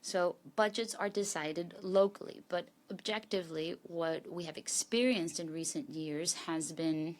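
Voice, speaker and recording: A woman working as a simultaneous interpreter, rendering a panelist's speech in a steady, formal first-person delivery. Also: lowish voice, measured pace, hardly any pauses.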